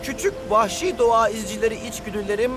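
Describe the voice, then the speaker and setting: A man's voice: high voice, steady tone, fast talker, close to an everyday voice. A man voicing an eager, know-it-all boy scout footballer in a cartoon dub. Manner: earnest, eager to show off. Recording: studio dub with music behind.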